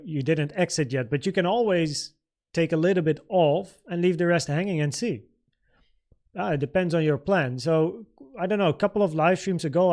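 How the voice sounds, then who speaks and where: Higher-pitched Dutch man livestreaming. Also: darkish tone. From the Netherlands. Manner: informal, thinking aloud, reading out viewer comments. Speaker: trading livestream host. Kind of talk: casual livestream Q&A and market commentary.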